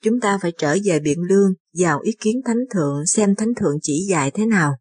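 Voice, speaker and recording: A woman's voice: medium pitch, animated, a little fast, a little mellow, husky, no echo. A woman narrator voicing a defeated middle-aged male marshal in a grave, resigned way. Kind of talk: scripted narration of a historical novel.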